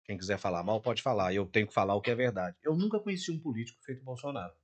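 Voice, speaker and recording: An older man from Minas Gerais with a Mineiro accent, a guest singer on a podcast, telling a story in an animated way and acting out every line of dialogue himself. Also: on the low side, rapid-fire, a little hiss or hum. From Minas Gerais, Brazil.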